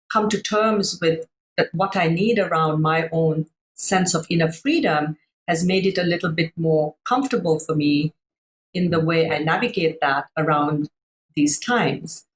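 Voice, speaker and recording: A woman's voice: on the low side, a little slow, rough recording. A middle-aged woman from Sri Lanka, a coach talking thoughtfully about personal experience on a video call. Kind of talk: reflective conversation.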